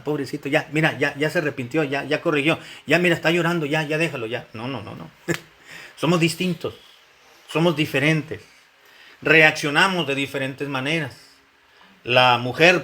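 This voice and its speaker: A pastor with a bright, medium-pitched voice leads a Bible study for married couples in sermon style. He preaches conversationally, often repeating himself and putting questions to the congregation.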